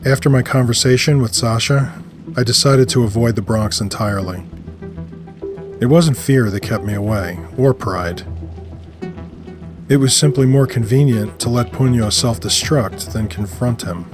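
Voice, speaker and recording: A man's voice: mid-range voice, normal speed. A man narrating scripted first-person audio fiction. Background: music.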